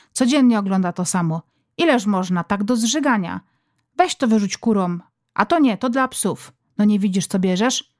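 A woman's voice: medium pitch, a little mellow, no echo, studio quality, lightly acted. A woman voicing a domineering, foul-mouthed middle-aged country mother who scolds her family in rural dialect.

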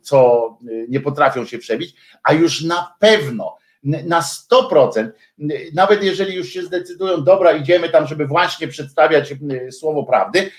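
Man, heated scornful rant, fairly high voice, many fillers, roomy echo. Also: moderate pace. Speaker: political commentator. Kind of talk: ranting monologue to viewers.

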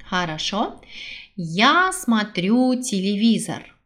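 A woman teaching a language lesson, repeating each phrase slowly and switching between two languages to explain it. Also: mid-range voice, big pitch swings, fairly bright tone.

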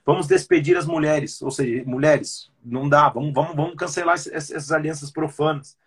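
A man's voice: on the high side, fairly even intonation, a little fast, slightly rough. A man with a Brazilian Portuguese accent, a pastor giving a casual, slangy livestreamed Bible commentary and retelling scripture in everyday speech.

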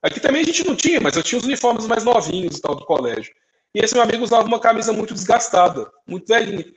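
Poor audio captures a very fast, high-pitched voice from a young Brazilian man co-hosting a casual podcast. Lively and animated, he tells stories and acts out everyone's lines in quoted voices.

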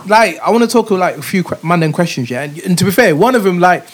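A man with a noticeably high voice and a London accent hosts a casual chat. He talks like a roadman, leaning heavily on urban street slang. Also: animated, fast talker. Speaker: podcast host.

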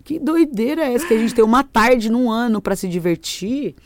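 A woman chatting on a podcast, animated and fond of acting out quoted voices. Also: fairly high pitch, normal speed, dry recording. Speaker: podcast guest, company founder. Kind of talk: casual podcast chat.

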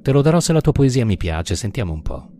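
A man's voice: medium pitch, very animated, fast talker, dark tone, a little hiss or hum, voice pushed up. Man putting on a teasing courtesan. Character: worldly graceful young woman courtesan, teasing.

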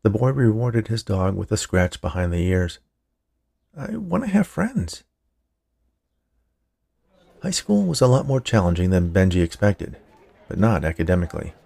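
A man's voice: low-pitched, expressive, a little fast, gravelly, dark tone. A man reading a scripted short story in the manner of an audiobook narrator. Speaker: writer, narrator and producer of a fiction podcast.

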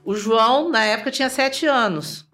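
A Brazilian woman as an interview guest, telling a personal story in a lively way, acting out remembered dialogue and often tagging her sentences with "né?". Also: a little high, moderate pace, soft background music. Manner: lively, acts out remembered dialogue, tags lines with "né?".

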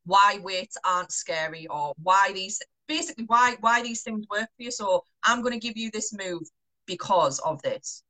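A woman's voice: medium pitch, expressive, normal speed, pushed and bright, rough recording. A young woman interviewing a trainer in a casual chat, asking long, self-correcting questions.

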